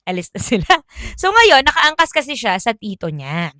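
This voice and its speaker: A woman telling a ghost story in a casual, chatty way, often laughing and dropping her voice low for the creepy parts. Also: very animated, moderate pace, no echo, clean studio sound. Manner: chatty, drops into hushed tones for spooky parts. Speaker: podcast storyteller.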